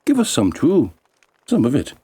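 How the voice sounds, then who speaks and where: A man's voice: medium pitch, wildly swooping pitch, moderate pace, warm tone, husky, dry recording, voice pushed up. A man voicing eager little elf men from a fairy tale, with a sing-song, exclaiming delivery. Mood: eager, curious.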